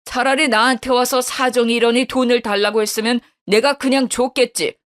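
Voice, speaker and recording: A woman's voice: a little high, fairly even intonation, brisk, a bit bright, voice pushed up, lightly acted. A woman voicing a stern older father-in-law who gives curt orders, in a storytelling radio drama. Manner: stern, commanding.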